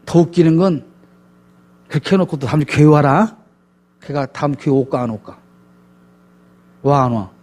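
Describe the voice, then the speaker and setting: Pastor, man, preaching with emphatic rhetorical questions in a fairly high voice. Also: a little fast, long pauses, a little mellow. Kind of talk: sermon.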